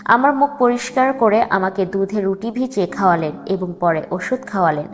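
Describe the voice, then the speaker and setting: A woman narrating a first-person wartime memoir in a grave, measured way. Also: medium pitch. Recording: long reverb with soft music beneath.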